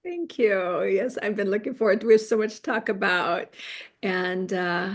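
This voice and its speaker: A woman's voice: medium pitch, moderate pace. A woman hosting a podcast, introducing her guest with gushing enthusiasm. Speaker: podcast host. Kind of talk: podcast interview.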